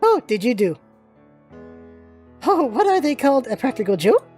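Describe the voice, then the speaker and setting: Woman putting on a haughty posh young lady, high-pitched. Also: big pitch swings, normal speed, a little mellow, soft background music. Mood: polite, curious. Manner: prim, imperious, old-fashioned genteel phrasing. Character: haughty young lady super heavy tank, posh and indignant.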